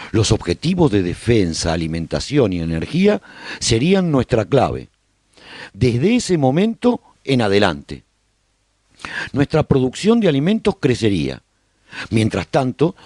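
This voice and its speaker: Radio play: a hopeful survivor announcer, swooping expressive delivery, a touch of rasp, measured pauses. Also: male voice, medium pitch, dry recording, studio quality. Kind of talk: scripted radio drama narration.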